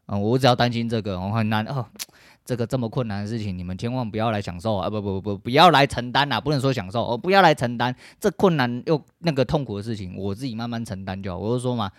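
A man rattling off a laid-back, swear-heavy solo podcast monologue at a brisk clip. His voice sits at an ordinary middle pitch, recorded close and dry with no room sound. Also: no room sound. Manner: rambling, profane, laid-back. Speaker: podcast host. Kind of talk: casual monologue.

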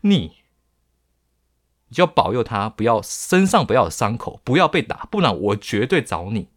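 A man's voice: medium pitch, very animated, normal speed, close to an everyday voice. A man doing a blunt Taiwanese schoolteacher. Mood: bargaining. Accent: Taiwanese Mandarin. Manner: blunt, bargaining, mock-stern. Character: blunt, streetwise schoolteacher scolding a bully.

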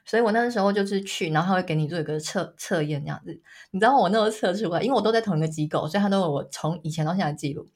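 Woman, 30s, from Taiwan, podcast co-host; husky, chatty storyteller. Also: on the low side, rapid-fire. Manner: chatty storyteller, laughs often. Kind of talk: casual chat.

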